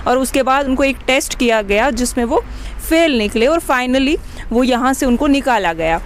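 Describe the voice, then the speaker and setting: A woman with a fairly high voice reports conversationally outdoors, with vehicle noise around her. She speaks as an interviewer, explaining in an easy mix that drops in English words. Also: animated, moderate pace. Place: outdoors on location.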